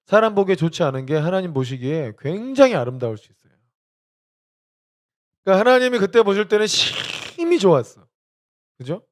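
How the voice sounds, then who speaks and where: An animated man teaching as a pastor, with a voice pitched a bit higher than most men. He keeps asking questions and laughs easily as he tells his stories. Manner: animated, asks many questions, laughs while telling stories. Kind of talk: discipleship teaching.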